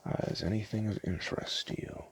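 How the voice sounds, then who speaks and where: A man doing a soft-spoken ASMR roleplay as a store clerk, talking in a casual, hesitant, rambling way. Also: fairly low pitch, fairly even intonation, brisk, creaky. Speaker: ASMR creator playing a DVD store clerk.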